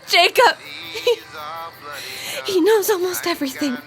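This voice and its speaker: Woman playing an anxious, high-pitched young woman. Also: lively intonation, unhurried, music in the background, poor audio. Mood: distraught. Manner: emotional, pleading. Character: torn, anxious young woman, daughter in love. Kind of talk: audio drama acting.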